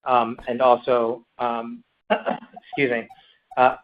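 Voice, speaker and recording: Exec guy on earnings call, mid pitch, kinda halting, dull lo-fi audio. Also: level tone. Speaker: company executive. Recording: muffled conference call audio.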